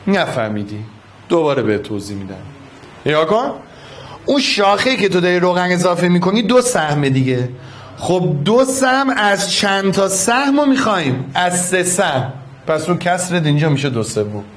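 Male physics teacher, fairly high voice, online class, coaxing and repeats every step. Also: sing-song, a little hiss or hum. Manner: coaxing, affectionate, repeats key steps.

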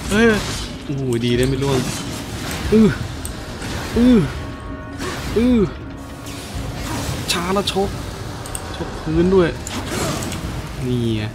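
A man giving casual let's-play commentary in an animated, exclamatory way, with playful muttering. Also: sits high, slow, pauses often. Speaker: gameplay commentator. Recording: game music behind the voice. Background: video game music.

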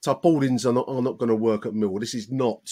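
A man hosting a football podcast, talking in a measured, hesitant way with many repeats. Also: medium pitch, steady tone, mellow. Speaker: podcast host. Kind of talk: casual football chat.

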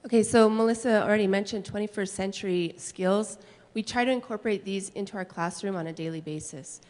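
A woman high school language teacher giving a steady conference talk into a handheld mic on stage. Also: fairly quick. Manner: steady, explanatory, some fillers. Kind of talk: conference presentation. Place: large school hall, on stage. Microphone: handheld microphone. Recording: long reverb of a large hall.

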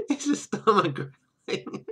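A man's voice: high voice, huge pitch swings, takes it slowly, bright, forceful tone, slightly rough. A young man hosting a casual game playthrough, reading narration aloud and commenting, sometimes stumbling over words and rereading them. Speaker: let's play host. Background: game music.

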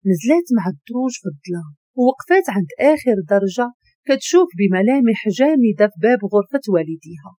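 A woman with a Moroccan accent narrating a romantic story in an expressive, dramatic way. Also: on the high side, no echo.

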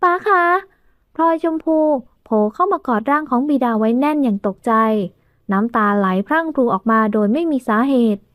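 A woman narrating an audio novel with steady, even storytelling. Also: on the high side, no room sound. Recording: dull dry studio recording.

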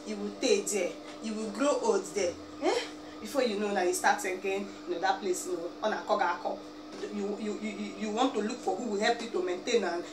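A young Nigerian woman with an Igbo accent, seated at home and talking emphatically to the camera, pleading and scolding with frequent "eh?" asides. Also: mid-range voice. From Nigeria, Abia State. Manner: emphatic, pleading, peppered with "eh?" and "biko". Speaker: vlogger. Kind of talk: animated rant to camera. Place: small indoor room, seated in chair. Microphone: camera a few feet away. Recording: roomy, distant, noisy home recording.

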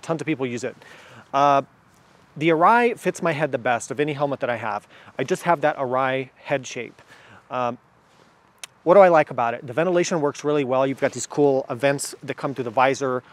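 A man in his thirties giving a casual, enthusiastic motorcycle gear review to camera outdoors, with lots of fillers. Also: fairly high pitch. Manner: enthusiastic, chatty, many fillers.

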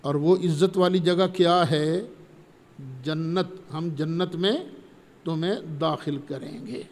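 A man giving a Quran commentary lecture, reciting Arabic verses slowly and then explaining them. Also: fairly high pitch. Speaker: Quran teacher. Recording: long hall reverb.

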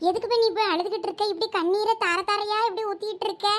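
ஒரு பெண் நடிக்கும் கிண்டலான கிராமத்துப் பெண். மிக உயர்ந்த குரலில் வேகமாகப் பேசுகிறாள். கேள்விகளை அடுக்கிக் கொண்டே, கூர்மையான நாக்குடன் கேலி செய்கிறாள். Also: female voice, very high-pitched, fairly even intonation, fast talker. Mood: teasing. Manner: sharp-tongued, mocking, chatty. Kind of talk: comic skit acting.

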